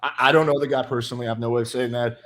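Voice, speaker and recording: A man's voice: mid-range voice, fairly even intonation, rapid-fire, fairly bright tone, slight background noise. A man on a casual podcast panel, hedging his claims and pointing back to what he has heard. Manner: hedging, repeats his sources.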